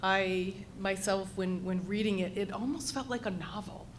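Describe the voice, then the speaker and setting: An American woman leading a conversation at a live event, projecting like a teacher and repeating words for emphasis. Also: normal speed. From New England, US. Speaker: anthropologist leading an on-stage conversation. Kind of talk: live public conversation, informal introduction. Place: indoor public event venue. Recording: noisy live event with rumble.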